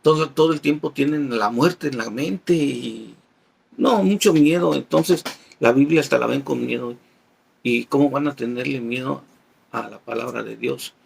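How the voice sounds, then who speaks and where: A man's voice: medium pitch, measured pace, vocal fry, a little mellow, slightly rough. A man teaching a Bible class as a catechist, reading passages aloud and explaining them patiently with everyday examples.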